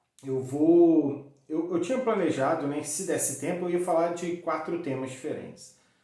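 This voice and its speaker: Amid audible room echo, a man with a fairly high pitch speaks at a fairly slow pace in a dark, mellow tone. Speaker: philosophy professor. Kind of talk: lecture.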